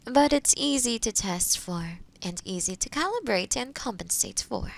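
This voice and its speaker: A woman playing a kind, skilled witch in an intimate roleplay audio drama, gently reassuring, with soft near-whispers and thoughtful murmurs. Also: a little high, lively intonation, moderate pace, vocal fry. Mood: patient explaining.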